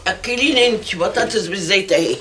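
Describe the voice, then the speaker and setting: A woman's voice: mid-range voice, rapid-fire, noisy background, natural voice. An actress playing a confused, childlike older woman with an Egyptian accent who whines and cries like a small child. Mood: whiny. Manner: whining, crying like a small child. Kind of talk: TV drama acting.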